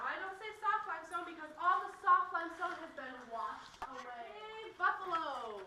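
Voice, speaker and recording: A woman leading a guided tour, upbeat and pointing out sights as she gives directions to her group inside a limestone cave, with a cave echo. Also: very high-pitched. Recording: echoey cave, voice from far off, background noise.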